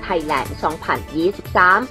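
A woman giving scripted news narration in a crisp, formal reading. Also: sits low, a little slow, pushed and bright, faint music behind. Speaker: news presenter.

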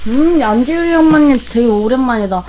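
A woman's voice: sits high, expressive, a little fast, warm tone, slight background noise. A young woman chatting casually with viewers on a livestream while she eats. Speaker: mukbang streamer. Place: small room at home, indoors.

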